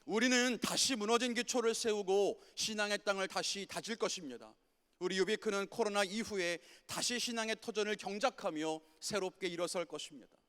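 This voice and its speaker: A man preaches a sermon with passion, his voice sitting a little high for a man. He moves between loud urging commands and soft, low asides. The sound carries the long reverb of a church sanctuary. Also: normal speed, smooth. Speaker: pastor.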